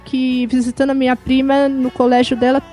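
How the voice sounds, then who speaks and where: A woman's voice: high-pitched, completely flat delivery, fairly quick, warm tone. A woman from São Paulo state with a Brazilian accent, chatting casually as a podcast guest. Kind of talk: casual chat. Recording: music playing under the talk.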